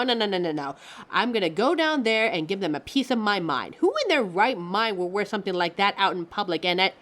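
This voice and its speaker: A woman's voice: on the low side, a bit bright. A woman voicing a living fashion mannequin in a scripted audio roleplay, haughty yet encouraging, with a dramatic, articulate delivery aimed straight at the listener. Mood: indignant. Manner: theatrical, dramatic, articulate, addresses listener as darling.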